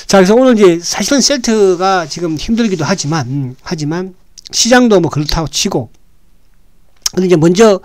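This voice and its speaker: Hoarse man giving stock commentary. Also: high-pitched, darkish tone, dry recording. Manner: talks with frequent "right?" tag questions, halting restarts. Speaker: stock market show host. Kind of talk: casual market commentary.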